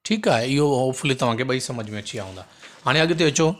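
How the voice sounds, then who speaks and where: A man teaching English grammar, explaining patiently and repeating points, reading example sentences slowly. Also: medium pitch, lively intonation, a bit bright, a little hiss or hum. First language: Sindhi. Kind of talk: recorded lesson explanation.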